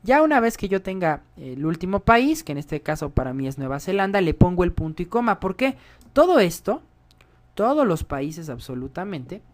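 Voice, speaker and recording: A man's voice: high-pitched, very animated, moderate pace. Male coding instructor, patient step-by-step screencast narration. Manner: explanatory, often checks in with the viewers. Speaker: programming instructor.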